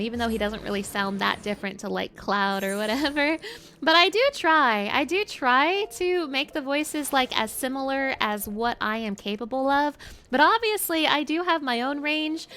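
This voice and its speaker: A woman streamer with a high-pitched voice, chatting in a bubbly, giggly way between game dialogue. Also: lively intonation, moderate pace, sharp tone, slight background noise. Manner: bubbly, giggly, filler-heavy chat. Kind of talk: casual chat while reading game dialogue.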